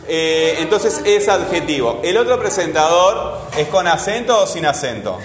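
A man's voice: on the high side, big pitch swings, normal speed, a crowd in the background. A man teaching a grammar lesson, asking his students questions and often answering them himself. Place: classroom. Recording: echoey room with long reverb, faint ambience.

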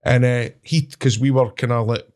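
A man with a Scottish accent telling animated, swearing-laced stories as a wrestler guest in casual chat. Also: mid-range voice, moderate pace. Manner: animated, swears, laughs at his own stories.

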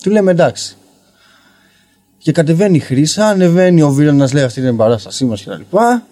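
A young man telling a story casually on a podcast as a guest comedian, rambling and filling pauses with "you know". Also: fairly high pitch, sing-song, warm tone. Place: basement podcast studio.

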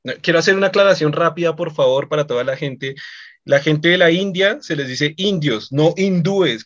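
Podcast host, young Colombian man, slightly high voice, rambly storyteller, dull lo-fi audio. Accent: Colombian Spanish. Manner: rambling, repeats words, chuckles often. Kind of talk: casual anecdote telling.

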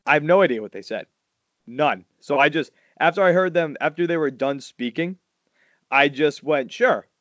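He's a podcast host in his 40s, loud and animated in casual conversation at a normal pace. His slightly high voice jumps further when a story gets him excited, captured in a dry, somewhat dull lo-fi recording.

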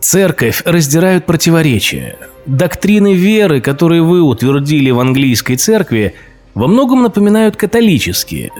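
A man playing a scheming, flattering royal courtier. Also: on the high side, soft background music. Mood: insinuating. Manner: measured, deferential speech full of careful insinuation. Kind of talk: audio drama acting.

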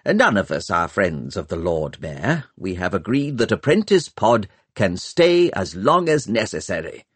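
A man voicing a kindly older male historian with a soft, husky voice. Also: low-pitched, very animated, measured pace, no room sound, exaggerated voice.

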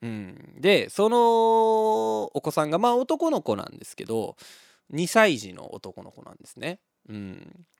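A man's voice: sits high, wildly swooping pitch, a little slow, vocal fry, darkish tone, smooth, no echo, clean studio sound. A man with a Kansai accent hosting a radio show, telling stories casually and laughing often between lines. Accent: Kansai Japanese. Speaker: radio host. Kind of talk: casual solo storytelling.

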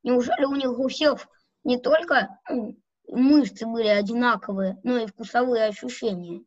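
High-voiced female student, dull recording. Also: normal speed. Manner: questioning. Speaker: student asking questions. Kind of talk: casual lesson discussion. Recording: dull, band-limited sound.

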